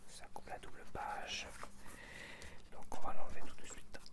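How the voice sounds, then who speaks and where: A man speaking in a breathy, intimate whisper, casually commenting unscripted for ASMR as if to one listener. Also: a little slow. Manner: hushed, intimate, addressing one listener informally. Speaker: ASMR video creator.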